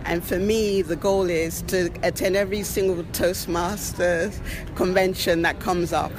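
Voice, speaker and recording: A woman from Maryland, a first-time convention attendee talking excitedly with small restarts. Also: fairly low pitch, a little slow, noisy background.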